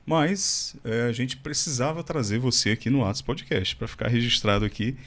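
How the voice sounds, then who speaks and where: Chatty podcast host, mid-pitched. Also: male voice, moderate pace, fairly bright tone. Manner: friendly, chatty, light joking. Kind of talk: casual interview chat.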